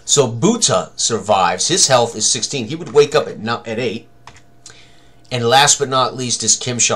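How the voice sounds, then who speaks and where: A man's voice: mid-range voice, a bit bright. An older man thinking aloud as game master, narrating a tabletop combat tutorial with dramatic turns of phrase. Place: small room indoors at a computer.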